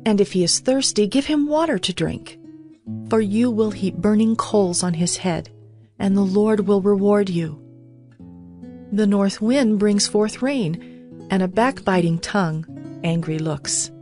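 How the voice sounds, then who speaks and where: A woman's voice: mid-range voice, measured pace. A woman reading scripture aloud as the narrator of a dramatized audio Bible. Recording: soft guitar bed under the voice. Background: plucked guitar music.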